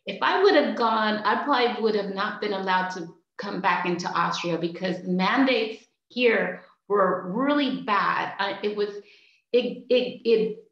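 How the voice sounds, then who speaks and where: A woman, an astrology life coach, hosting a video call interview from home, talking slowly with many ums and restarts. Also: mid-range voice, fairly bright tone. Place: room at home, indoors. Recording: echoey, slightly dull video call audio.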